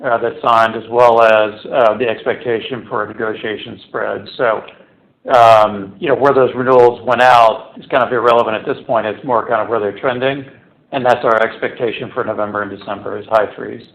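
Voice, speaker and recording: Matter-of-fact male executive, mid-pitched. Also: fairly even intonation, fairly quick, a bit bright, highs cut off. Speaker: company executive answering analysts. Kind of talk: unscripted corporate earnings-call answers.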